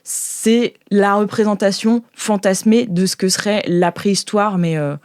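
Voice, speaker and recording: A woman's voice: mid-range voice, fairly even intonation, unhurried, a little mellow, no echo, clean studio sound. A woman improvising tabletop game narration as game master, informal and searching for words.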